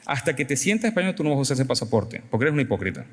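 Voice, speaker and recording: A man preaching a sermon, questioning and teasing the congregation in an animated, conversational way. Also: medium pitch, racing. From Venezuela. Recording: long reverb in a hall.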